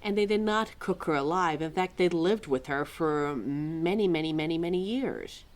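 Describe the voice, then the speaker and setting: A woman's voice: sits low, normal speed, lightly acted. A woman playing an exasperated, opinionated keeper of forgotten lore in an ad-libbed audio roleplay, chatty and sarcastic as she talks straight to the listener. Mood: defensive, sympathetic. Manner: sarcastic, chatty, heavy sighs and mimicked quotes.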